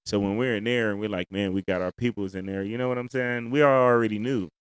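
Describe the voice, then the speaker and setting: A man's voice: on the low side, steady tone, fast, a little hiss or hum. A man with an African American accent talking casually and emphatically on a podcast as a comedian guest, using plenty of slang.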